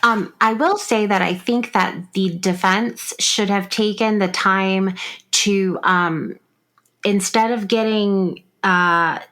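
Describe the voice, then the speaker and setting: A woman's voice: mid-range voice, fairly even intonation, takes it slowly, fairly bright tone. Woman arguing a true crime case. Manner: argumentative, explains step by step with frequent fillers. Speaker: podcast co-host. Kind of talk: casual true crime discussion.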